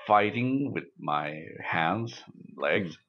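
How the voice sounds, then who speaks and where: A man from Mexico whose first language is Spanish, speaking English in a halting, measured way in a casual conversation. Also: deep voice, animated, muffled recording. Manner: measured, halting recollection with restarts.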